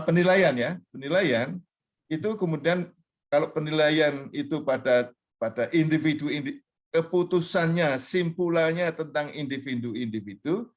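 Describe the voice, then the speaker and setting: Higher-voiced male academic. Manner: explanatory, repeats phrases, English terms mixed in. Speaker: university lecturer, interview guest. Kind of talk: academic discussion, explaining terms.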